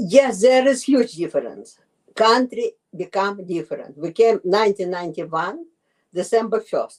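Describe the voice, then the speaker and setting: This voice has a Russian accent and lively intonation. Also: woman, fairly high pitch for a woman, moderate pace. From former USSR. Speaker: life coach. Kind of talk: interview answer.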